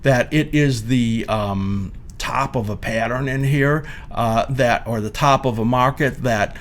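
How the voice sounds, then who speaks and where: A man in his sixties giving informal explanatory commentary as a market analyst, speaking haltingly with frequent hesitations. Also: medium pitch, a little hiss or hum. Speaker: market analyst presenting a video series. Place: indoor studio or office at a desk.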